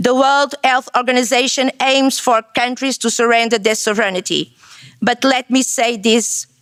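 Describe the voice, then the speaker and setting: With a Portuguese accent, a woman speaks at a high pitch and a fairly slow pace, her loudness very even, in a dry, close sound with no echo. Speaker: activist. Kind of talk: speech. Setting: conference hall with audience.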